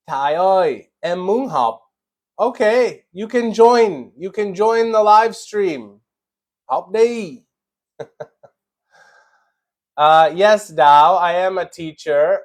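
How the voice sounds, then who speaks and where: An American man in his thirties from Chicago hosts a laid-back English lesson live stream. He speaks at an unhurried pace in a slightly high voice, with plenty of "uh" and "you know". He greets his viewers one by one. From Chicago, USA. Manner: relaxed, greets viewers by name, many fillers. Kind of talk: casual live-stream chat.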